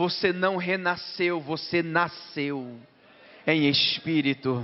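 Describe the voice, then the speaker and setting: This voice moves at a very slow pace. Its pitch varies in an ordinary way. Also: man, fairly high pitch for a man. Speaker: pastor. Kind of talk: sermon. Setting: church.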